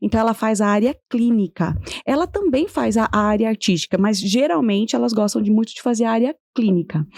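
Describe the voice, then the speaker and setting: A woman speaks at a fairly quick pace in a normal speaking voice, fairly high in pitch with ordinary pitch variation. The recording is very clean with a silent background, its sound dry and close with no echo. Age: 40s. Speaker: vocal coach. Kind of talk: casual chat.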